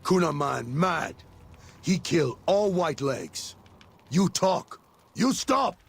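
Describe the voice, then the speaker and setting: A raging tribal war chief. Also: male voice, a little high, animated, slow pace, vocal fry, slightly rough, heavily acted. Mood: enraged. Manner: shouting threats in broken English. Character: furious tribal war chief, man, broken speech. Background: game music.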